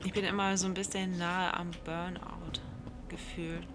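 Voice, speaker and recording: A woman in her thirties chats casually over a let's play. Her voice is fairly low and unhurried, low-key and self-deprecating, with clear background noise from the game. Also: level tone. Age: 30s. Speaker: gaming streamer.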